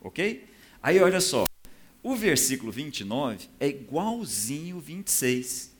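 A man delivers a sermon while explaining a scripture passage. His voice sits at an ordinary middle pitch for a man. He keeps the tone conversational and keeps asking the congregation whether they follow. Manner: conversational, often checks in with the audience. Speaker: preacher.

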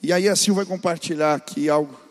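High-voiced man preaching in a reverberant hall. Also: brisk. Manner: earnest, exhorting the listener directly. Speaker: pastor. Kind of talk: preaching on family life.

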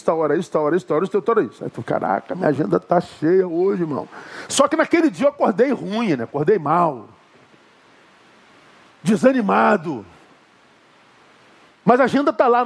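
A man with a Brazilian Portuguese accent preaching a sermon as pastor, emphatic, with asides to the congregation. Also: high-pitched.

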